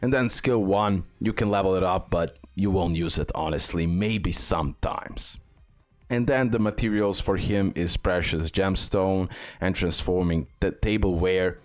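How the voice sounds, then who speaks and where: A man's voice: sits low, a little slow, soft background music. A man hosting a game guide and showcase, talking through it with some hesitant, repetitive phrasing. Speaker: gaming video host.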